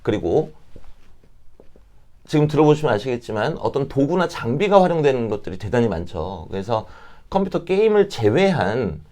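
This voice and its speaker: A man with a slightly hoarse, catching throat, explaining things politely and informally as an advisor speaking to parents. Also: medium pitch, sing-song, normal speed, warm tone. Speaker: fortune-telling advisor, channel host. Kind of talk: informal explanatory talk to camera.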